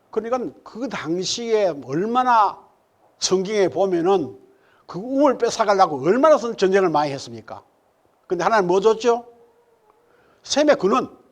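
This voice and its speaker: A male pastor, preaching a sermon and firing rhetorical questions at the congregation. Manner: swings from loud emphatic peaks to low murmured asides. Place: church sanctuary.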